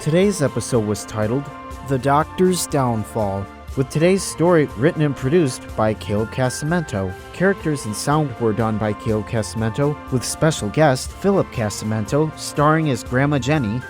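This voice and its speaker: A man's voice: medium pitch, lively intonation, moderate pace. Theatrical male announcer over music. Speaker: narrator, creator, host. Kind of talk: scripted serial narration, old radio teaser.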